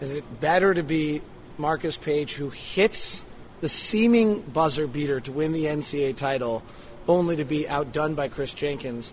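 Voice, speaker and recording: Over noticeable background noise, a man speaks fairly slowly with a fairly high pitch and ordinary pitch variation. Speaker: sports podcast host. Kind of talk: interview.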